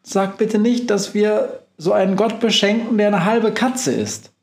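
A jittery little cartoon mouse reporter, played by a man in a high, squeaky register. He frets and questions everything. His voice echoes off the room. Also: unhurried. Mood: worried. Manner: anxious, questioning. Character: nervous small reporter mouse, male and curious.

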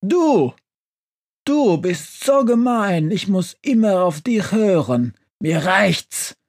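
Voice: mid-range voice, lively intonation, measured pace, dark tone, no room sound, studio quality, voice pushed up. A narrator voicing a small, plump, lonely talking stove on a chicken leg that whines and pleads. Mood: upset. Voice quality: whiny, pleading.

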